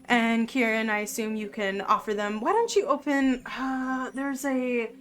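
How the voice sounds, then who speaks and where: A relaxed, hospitable mother voiced by a woman handing out gentle instructions at an unhurried pace in a tabletop game. Her voice sits fairly high and bright. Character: calm, welcoming mother hosting guests.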